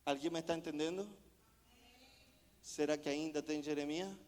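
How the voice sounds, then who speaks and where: Man preaching hard in a church, kinda high voice, big long echo off the hall. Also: steady tone, moderate pace, darkish tone. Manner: impassioned, with repeated rhetorical questions. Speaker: missionary preacher. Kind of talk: sermon. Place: church sanctuary.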